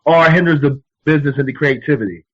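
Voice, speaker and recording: A man with a slightly high voice interviews in an informal, chatty way, winding into each question. The audio is somewhat dull and lo-fi. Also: fast talker. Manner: informal, wordy lead-ins to questions. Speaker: interviewer, show co-host. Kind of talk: casual conversational interview.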